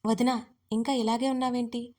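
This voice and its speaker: A woman's voice: on the high side, little pitch movement, normal speed, mellow, natural voice. A woman voicing a cheeky, teasing young woman, the groom's playful sister, in a romance audio story.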